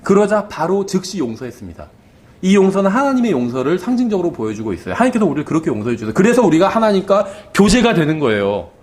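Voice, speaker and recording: A man's voice: sits high, sing-song, fast talker, a little mellow. A male pastor preaching a sermon in a conversational way, asking the congregation questions and acting out quoted lines. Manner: acts out quoted lines of the father and son.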